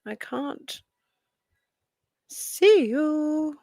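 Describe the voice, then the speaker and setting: A woman's voice: sits high, lively intonation, extremely slow, vocal fry, mellow, no room sound, clean studio sound. A woman hosting a live stream, talking to her chat in a sarcastic, mocking way with theatrical gasps.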